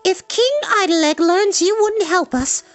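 A man voicing an indignant, urgent young girl in a scolding, insistent falsetto for a storybook reading. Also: unhurried, fairly bright tone, dry recording, faint music behind.

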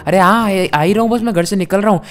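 A man hosting a Hindi gameplay role-play, talking loud and slangy, often scolding. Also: high-pitched, fast talker. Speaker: gaming channel host.

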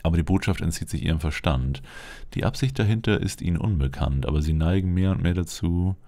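A man's voice: deep voice, a little fast, mellow. A man giving casual gameplay commentary, muttering to himself as he plays. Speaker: let's player. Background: game music.

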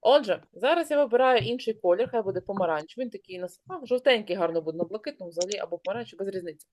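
A woman teaching an online class, brisk and encouraging, calling on pupils by name. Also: mid-range voice, lively intonation, a little mellow, slight background noise.

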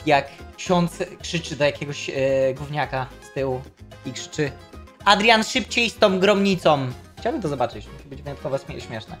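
A man hosting a stream, casually reacting to memes in a loose, profane way. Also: mid-range voice. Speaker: streamer host.

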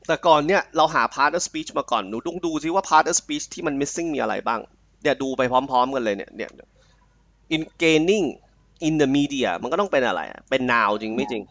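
Young man, from thailand, online tutor, animated pitch, dead-dry close mic. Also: no room sound, muffled recording. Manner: reads passage aloud slowly, then explains fast and chatty, calling the student "ลูก". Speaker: IELTS tutor. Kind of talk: live online tutoring, Thai mixed with English. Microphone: online call mic.

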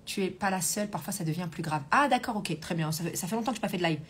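A woman's voice: on the low side, lively intonation, very fast, slight background noise. Chatty woman coach on a live stream. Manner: chatty, reads comments aloud, many fillers. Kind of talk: casual live stream chat and coaching talk. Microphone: Bluetooth hands-free earpiece.

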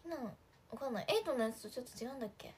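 A woman's voice: on the high side, lively intonation, very fast, slightly rough. A young woman chatting casually on a livestream, giggling often and talking to viewers' comments. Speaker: idol livestream host.

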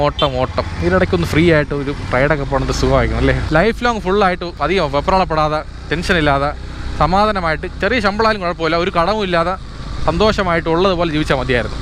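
Guy w trivandrum malayalam accent mixing in english, chatting fast on a motorbike vlog, noisy road outside. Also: fairly high pitch. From Kerala, India. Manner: mixes English words into Malayalam; chatty, repetitive exclamations. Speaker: motorbike vlogger. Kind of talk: casual ride commentary. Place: outdoors on a moving motorbike. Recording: noisy outdoor recording with traffic and engine.

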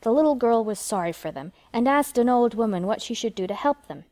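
An eager little girl rounds off a fairy tale in a sweet way, as a woman reader puts her on. Her voice is high and mellow, recorded close and dry. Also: lively intonation, a little fast, no echo, close to an everyday voice.

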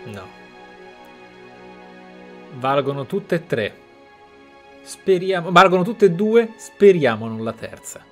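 A man from Italy giving reflective roleplay commentary on a game as a streamer, with dramatic pauses. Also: fairly high pitch, sing-song, fairly bright tone, soft background music. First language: Italian. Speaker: streamer, let's player.

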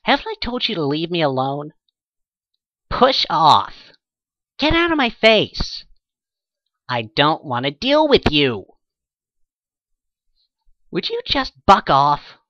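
A man's voice: on the high side, huge pitch swings, slow pace, pauses often, no echo, dull audio, heavily acted. A man voicing a bratty, sulky male pony for a game audition, whiny, petulant and dismissive. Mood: irritated. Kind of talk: game character audition lines.

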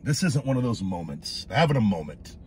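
Sitting in his parked truck, a middle-aged man reviews food in a casual, profane vlog, his voice on the low side, husky, sing-song and a little fast. He rambles, swears a lot and makes crude fun of himself.

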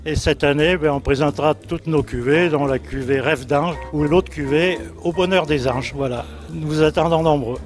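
A winemaker speaks in a slightly high voice and welcomes visitors. Faint music plays behind. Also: male voice, normal speed. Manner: welcoming promo.

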